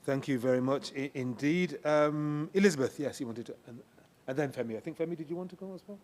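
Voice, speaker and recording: A man moderating a panel who talks quickly. He hands the floor around and asks speakers to keep it short, in a brisk, steady way. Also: fairly high pitch.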